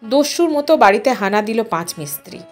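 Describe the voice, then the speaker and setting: A woman tells a literary story as an expressive narrator. Her voice is a little high. Music plays behind her reading. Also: a little fast.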